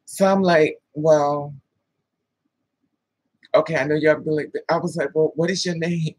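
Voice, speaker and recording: A woman in her thirties tells a dating story to the camera, swearing freely and acting out both sides of the talk. Her voice is husky with a breathy edge. The recording is close and dry. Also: low-pitched, a little slow, dry recording, low-quality recording. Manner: animated, profane, laughing asides. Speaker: vlogger telling a dating story. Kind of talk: casual storytelling with quoted dialogue.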